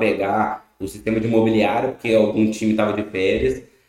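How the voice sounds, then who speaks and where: A man's dark, mellow voice at a fairly quick pace. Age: 30s. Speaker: company founder and CEO. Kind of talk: casual interview. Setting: in person at his company office. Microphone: audio technical problems.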